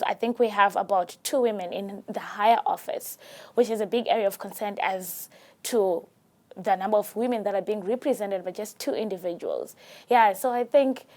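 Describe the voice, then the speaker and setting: A woman's voice: mid-range voice, darkish tone. A young woman from Zimbabwe, a social work student, giving earnest interview answers. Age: young adult.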